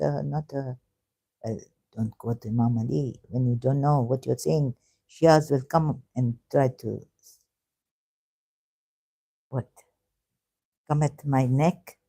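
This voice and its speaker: Slow, mellow, rambling speaker. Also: mid-range voice, gravelly. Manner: rambling, hesitant, stops and restarts often, asks rhetorical questions. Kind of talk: unscripted monologue about religious texts.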